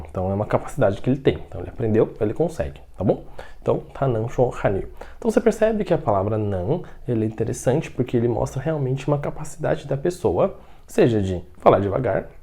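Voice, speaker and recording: A man's voice: medium pitch, mellow. Patient Brazilian male language teacher. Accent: Brazilian Portuguese. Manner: explains patiently, checks in with "tá bom?" and slows right down for model sentences. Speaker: Mandarin teacher. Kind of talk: language lesson.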